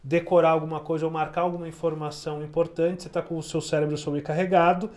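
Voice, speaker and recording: A man's voice: a little high, flat delivery, quick pace, darkish tone. A man hosting a podcast interview, chatty and relating things to himself. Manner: chatty, self-referential. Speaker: podcast host.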